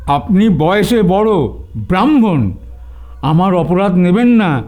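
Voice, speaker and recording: A man's voice: sits high, lively intonation, slow, a little mellow, faint music behind. A man voicing a remorseful, respectful village police officer in a dramatised story, deferential and apologetic. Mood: humble regret.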